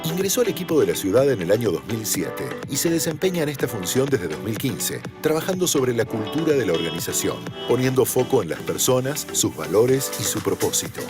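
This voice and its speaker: A man's voice: medium pitch, very animated, a little fast, hardly any pauses. A man reading speaker biographies as a formal voice-over announcer. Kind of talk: scripted voice-over narration. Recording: voice-over with music bed.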